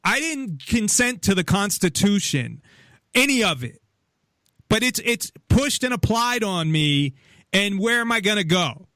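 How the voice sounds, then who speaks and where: A man with a fairly high voice argues politics in blunt, profane bursts, often cutting across the other speaker. The sound is dry and close, with no room around it. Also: sing-song, a little slow, sharp tone, dry recording. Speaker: podcast host. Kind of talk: heated political discussion.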